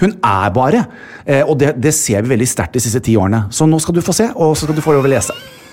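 A man speaks with a fairly high pitch. His voice rises and falls very widely. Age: 50s. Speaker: podcast co-host, fashion commentator. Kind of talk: casual chat.

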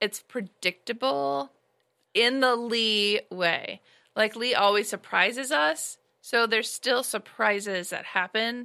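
Bright, sharp tone with lively intonation at a very slow pace. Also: woman, fairly high pitch for a woman, very clean recording, silent background. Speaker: podcast co-host. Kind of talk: casual chat.

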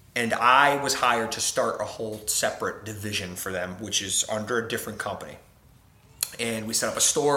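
A confident man's very fast speech at a medium pitch, with ordinary pitch variation over noticeable background noise. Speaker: store manager. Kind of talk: casual interview conversation with profanity. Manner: loud, big personality, confident.

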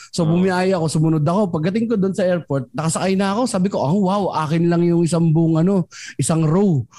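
A man talks at a very fast pace. His voice is high-pitched, with ordinary pitch variation. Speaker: stand-up comedian and podcast host. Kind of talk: casual chat.

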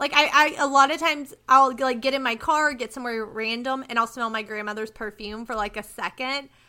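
A raised, projected voice with an American accent, bright and sharp in tone, fairly quick with hardly any pauses, on a very clean recording with a silent background. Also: woman. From Texas. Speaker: podcast host. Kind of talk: casual chat.

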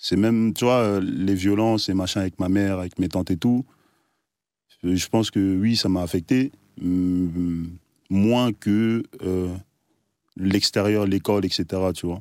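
A man speaks at a fairly slow pace and fairly low pitch, with fairly even intonation and long, frequent pauses. The recording is very clean, with a silent background. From Cameroon, Yaoundé. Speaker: American football player and coach. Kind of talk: casual interview.

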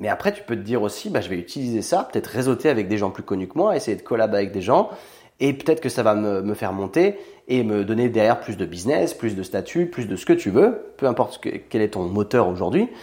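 This man talks very fast in a dark, mellow tone at a medium pitch, his intonation lively. The recording is very clean and the background silent. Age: 30s. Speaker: fitness coach and entrepreneur. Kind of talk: casual interview. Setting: his apartment.

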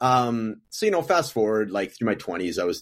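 A man with a Canadian accent and an unremarkable speaking voice, lively intonation and a moderate pace, on a very clean recording with a silent background. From western Canada, Prince George, British Columbia. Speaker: sober and recovery coach, podcaster. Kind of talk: interview.

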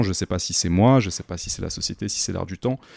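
On a very clean recording with a silent background and a dry, close sound with no echo, a man talks at a very fast pace with ordinary pitch variation. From France. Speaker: podcast host. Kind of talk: casual chat.

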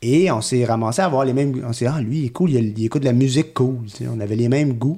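A man's dark, mellow voice of medium pitch in a Quebec accent, fairly quick, with ordinary pitch variation. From Quebec, Abitibi (Rouyn-Noranda). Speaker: singer-songwriter. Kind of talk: casual interview.

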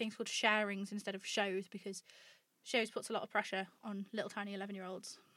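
A woman with a North Welsh accent and a fairly high pitch, on a very clean recording with a silent background. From North Wales. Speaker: theatre maker and actor. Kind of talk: casual interview.

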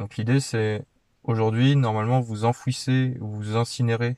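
A man talks at a fairly slow pace in a medium pitch with monotone, flat intonation. The sound is dry and close with no echo. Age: 20s. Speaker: startup co-founder, engineering graduate. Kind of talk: interview. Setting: remote recording. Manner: halting, frequent repetitions and hesitations.

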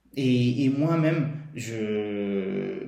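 A man's ordinary pitch variation with audible room echo. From Morocco. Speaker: weight loss coach. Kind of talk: podcast monologue. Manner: halting, many repetitions and hesitations.

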